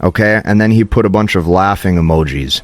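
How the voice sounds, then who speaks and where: With a deep voice and a slightly fast pace, this man coaches viewers on dating in an emphatic, instructive motivational talk delivered to camera. He keeps asking "okay", and the recording has no echo.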